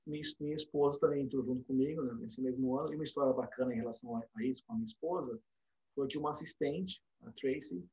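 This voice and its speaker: A Brazilian dentistry professor tells stories in a casual remote interview, speaking quickly in a mid-range voice. He's an animated storyteller who acts out the lines he quotes. The audio from his remote call microphone is poor.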